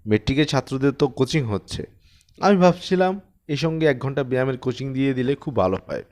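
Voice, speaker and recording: A man's voice: medium pitch, expressive, fast talker, darkish tone, close to an everyday voice. A man voicing a meek, earnest, eccentric elderly male exercise teacher, deferential and pleading, in an audiobook story. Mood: earnest, eager. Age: older.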